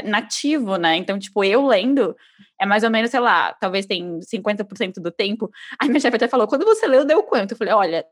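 A woman from Brazil co-hosting a podcast in a relaxed, teasing casual chat, laughing easily. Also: mid-range voice. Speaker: podcast co-host.

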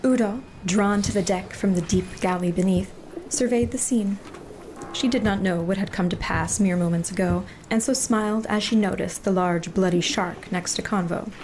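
Woman narrating fantasy, medium-pitched voice. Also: moderate pace, darkish tone, a little hiss or hum, rough recording. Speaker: co-game master and narrator. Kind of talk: literary fantasy storytelling narration.

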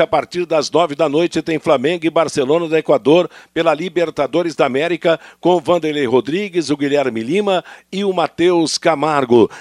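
A man's voice: a little high, no echo, clean studio sound. A Brazilian man presenting a radio sports show, with announcements and ad reads.

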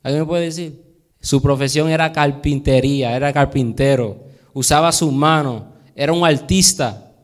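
High-voiced preacher. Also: male voice, moderate pace. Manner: lively, asks the congregation questions; slips into English phrases. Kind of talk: sermon.

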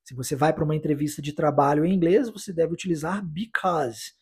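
A man from Brazil teaching English in a podcast lesson, explaining phrases and then repeating the English lines slowly for listeners to practise. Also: on the high side, breathy edge. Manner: encouraging, with tag questions like "né?" and "tá?".

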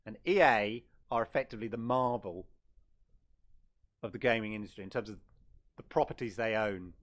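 Pitched fairly low and moving at a moderate pace, this middle-aged man runs a casual gaming livestream. His talk is loose and wandering, full of chatter and frequent self-corrections.

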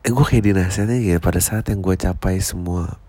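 A man's voice: sits low, fairly quick, warm tone, dry recording. A man, a stand-up comedian talking casually and reflectively, full of slang, swearing and English phrases.

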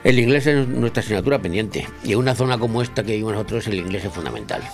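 A man's voice: on the low side, expressive, rapid-fire, gravelly, over music. A Spanish man hosting a radio show in a studio, joking and teasing his guest. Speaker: radio host. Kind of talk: radio chat interview.

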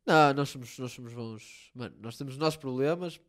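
A young man with a European Portuguese accent chats casually at a fast clip. He is slangy and swears often, and he keeps breaking off and restarting his sentences. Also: medium pitch. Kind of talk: casual chat.

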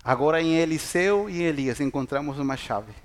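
Field: Sermon. man preaching, lively. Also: on the high side, a little fast. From Chile. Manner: lively, jokes with the congregation, asks questions. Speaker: pastor.

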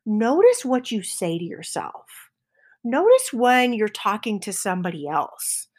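A middle-aged woman hosting a motivational podcast, enthusiastic, sometimes dropping to a soft whisper for emphasis. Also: mid-range voice, very animated, a little slow. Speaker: podcast host.

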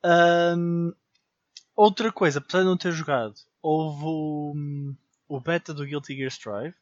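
A man with a European Portuguese accent, co-hosting a casual gaming podcast over a degraded, half-robotic remote call, relaxed and mixing in English slang. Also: a little high, unhurried, dry recording. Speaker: podcast co-host. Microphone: remote call from outside the studio. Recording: dull lo-fi remote line.

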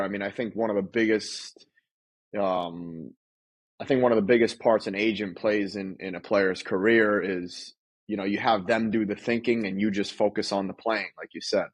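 A man's voice: fairly low pitch, slightly rough. A man hosting an interview, agreeable and affirming, leaning on filler phrases as he talks. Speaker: podcast host. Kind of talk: casual interview chat.

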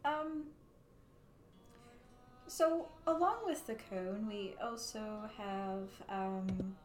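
A woman's voice: mid-range voice, very slow, noisy background. A woman player chatting casually during a tabletop game, hesitant with many ums and frequent laughs.

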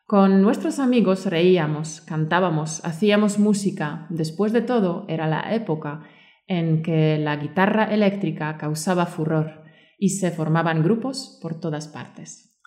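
Speaking at a measured pace in a lowish, darkish voice, this woman hosts a language-learning podcast from an echoey room. As a Spanish teacher, she reads aloud and encourages her listeners with motivational talk.

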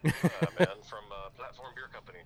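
A man's voice: medium pitch, fast. A man calling in over a speakerphone, chatting casually in an easygoing, laid-back way. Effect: heard over a speakerphone. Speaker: beer distributor rep calling in. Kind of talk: casual phone chat. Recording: tinny phone speaker from a distance.

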